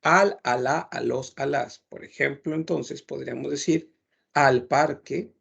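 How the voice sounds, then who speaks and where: A man teaching a French lesson, explaining patiently and repeating words slowly to model pronunciation. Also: medium pitch, gravelly, a bit bright, slightly rough.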